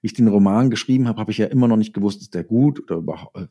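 Guy, deepish mellow voice, chatting in an interview, kinda halting and reflective. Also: breathy edge. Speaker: interview guest, writer. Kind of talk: casual interview chat.

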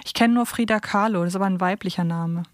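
A woman's voice: mid-range voice, quick pace, no room sound, clean studio sound. A woman co-hosting a podcast in casual chat. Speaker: podcast co-host.

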